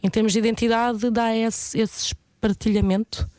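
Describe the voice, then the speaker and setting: A woman in her thirties with a European Portuguese accent, an actress answering interview questions in a thoughtful, hesitant way with many pauses and fillers. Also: on the high side, little pitch movement, a little mellow, no room sound. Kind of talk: reflective casual interview talk.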